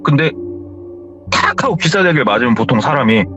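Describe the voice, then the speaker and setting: Animated male horror story radio host. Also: medium pitch, a little fast. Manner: animated, acts out quoted lines. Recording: dull audio with faint music.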